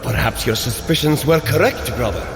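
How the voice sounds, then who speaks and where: An actor playing a hearty, confident warrior god who coaches with formal, commanding speech in an audio adventure. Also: male voice, mid-range voice, moderate pace, background noise, lightly acted. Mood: curious. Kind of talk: scripted audio adventure acting.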